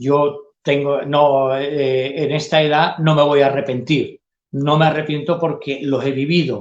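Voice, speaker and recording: A man speaks at a fairly slow pace in a fairly high pitch. His intonation is monotone and flat, and his loudness stays very even. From Andalusia, Huelva. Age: 60s. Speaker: poet and theatre teacher. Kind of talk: interview.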